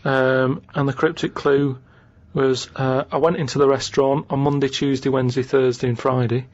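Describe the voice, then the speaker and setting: A man with a Manchester accent rambles through a quiz clue, stumbling and repeating phrases as he goes. His voice sits at a middling pitch. The radio recording sounds dull and lo-fi. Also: level tone, normal speed, dry recording. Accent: English, Manchester. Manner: rambling, hesitant, repeats himself. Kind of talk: casual radio banter. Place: radio studio.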